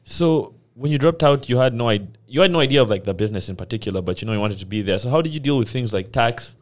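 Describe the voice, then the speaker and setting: A man's voice: medium pitch, expressive, fast talker. A young man co-hosting a podcast, talking candidly and asking questions in a loose, slangy way. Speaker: podcast co-host. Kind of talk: casual podcast interview.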